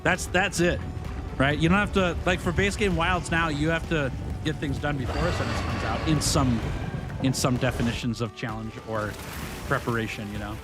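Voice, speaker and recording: A man's voice: on the high side, steady tone, normal speed, loud music behind the voice. A man live-streaming a video game, chatting casually with his viewers, joking and laughing often as he reads their messages aloud. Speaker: gaming streamer.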